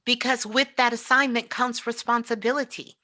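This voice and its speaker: A woman's voice: on the high side, fairly even intonation, normal speed, sharp tone. A woman giving an impassioned spiritual talk as a guest teacher, emphatic and repetitive like a preacher.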